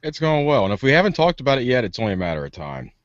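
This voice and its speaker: A man's voice: mid-range voice, big pitch swings, racing, no echo. A man co-hosting a tech podcast, teasing and playful in casual chat. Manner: teasing, playful, mock-smooth. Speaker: podcast co-host. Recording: dry, slightly dull home recording.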